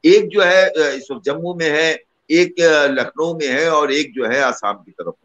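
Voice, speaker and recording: A middle-aged man arguing his point on a debate panel, rattling off lists of names and numbers at a quick clip. His voice sits a little high for a man. The audio is muffled and lo-fi. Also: a bit bright. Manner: quick, piling up lists of examples.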